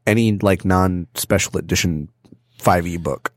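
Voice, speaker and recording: Man, low voice, laid-back chummy podcast host, dry close sound. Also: unhurried, dry recording. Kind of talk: casual chat. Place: podcast studio.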